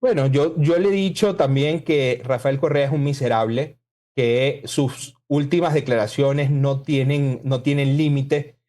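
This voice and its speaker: A man from Venezuela, a political spokesman, speaking forcefully and combatively as a guest in a radio interview. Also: medium pitch, steady tone, unhurried. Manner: forceful, combative political talk with emphatic lists.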